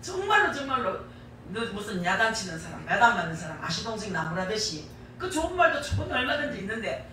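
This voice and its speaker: Female preacher, middle-aged, Gyeongsang accent; bright, punchy delivery with homely humor; distant mic, very echoey sanctuary. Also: mid-range voice, animated, quick pace, a little hiss or hum. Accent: Gyeongsang Korean. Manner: emphatic, repeats key phrases, folksy humorous asides. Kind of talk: sermon. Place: church sanctuary.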